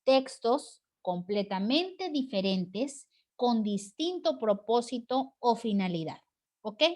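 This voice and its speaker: A woman's voice: on the high side, expressive, takes it slowly, mellow. A woman teacher leading an online class discussion, encouraging students and tagging her points with "right?". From Mexico. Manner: encouraging, frequent "¿verdad?" tag questions. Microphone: video call.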